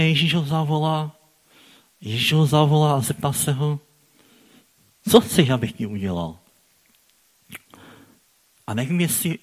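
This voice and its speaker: Male preacher, husky tone, chatty sermon delivery that keeps questioning the listeners. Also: medium pitch. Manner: conversational, asks the congregation questions, repeats phrases.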